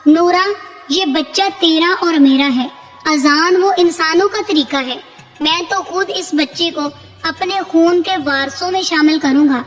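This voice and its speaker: A woman's voice: very high voice, faint music behind. A woman voicing a possessive, menacing male jinn chieftain in a spoken story, sweet-talking or harsh by turns. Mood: cold. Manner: sweet-talking, turning to angry shouts.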